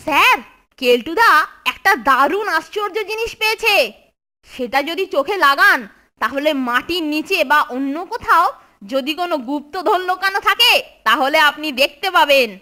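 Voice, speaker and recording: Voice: sits high, lively intonation, moderate pace, pushed and bright. A performer voicing a mischievous, eager little schoolboy in a children's cartoon, conspiratorial in manner, with music behind. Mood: urgent. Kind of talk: Bengali children's cartoon dubbing.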